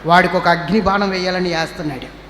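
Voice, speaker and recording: Speaking fast in a high, slightly bright voice with fairly even intonation, this Telugu-accented pastor from Andhra Pradesh preaches in a church hall. He scolds and exhorts the congregation and calls on them to respond. The echoey recording has faint ambience and a little hiss or hum.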